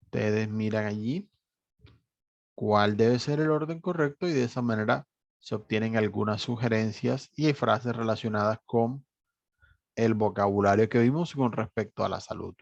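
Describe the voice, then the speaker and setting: Man, steady explanatory teacher, dry muffled recording. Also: lowish voice, moderate pace, creaky, no room sound. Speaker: English teacher. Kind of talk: online class walkthrough. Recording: dry, slightly dull recording.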